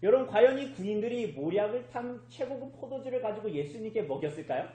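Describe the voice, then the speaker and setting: A man's voice: sits high, lively intonation, fast, warm tone, roomy sound, low-quality recording. A man preaching a sermon as pastor in a church, who keeps asking the congregation questions and then answering them himself. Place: church sanctuary.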